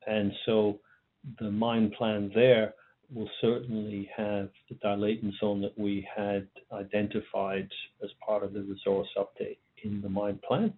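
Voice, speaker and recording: A man answering questions as a company executive on an earnings call, halting and repeating words as he goes. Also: on the low side, completely flat delivery, breathy edge. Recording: tinny narrowband phone line.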